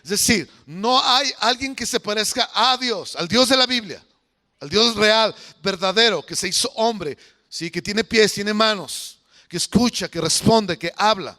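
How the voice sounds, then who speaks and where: A man's voice: high-pitched, measured pace, pushed and bright. A man preaching a conversational sermon as pastor, often putting questions to the congregation. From Mexico.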